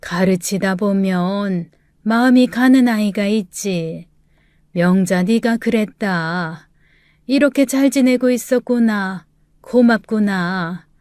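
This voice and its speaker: A woman voicing a gentle, frail old grandmother on her deathbed, speaking slowly and weakly in halting phrases. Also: medium pitch, no room sound, studio quality, close to an everyday voice. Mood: tender. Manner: slow, weak, halting speech.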